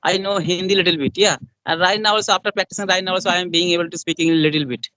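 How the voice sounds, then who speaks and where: Young indian guy, bengali accent, high-ish voice, lots of uh and repeats, dry sound. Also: fairly even intonation, rapid-fire, bright, forceful tone, no echo, rough recording. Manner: repetitive, with many fillers. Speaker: interviewer in a practice conversation. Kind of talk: casual conversation practice.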